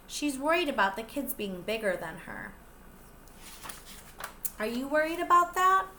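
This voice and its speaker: A young woman pre-K teacher reading a picture book aloud to small children, slow and gentle, stopping to ask them questions. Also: on the high side, reverberant, slight background noise. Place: classroom.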